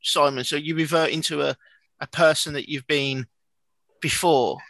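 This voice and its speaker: A man's voice: a little high, fairly even intonation, normal speed, a bit bright, no room sound, poor audio. A man co-hosting a podcast in casual chat, probing with questions and repeating words as he restarts. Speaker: podcast co-host.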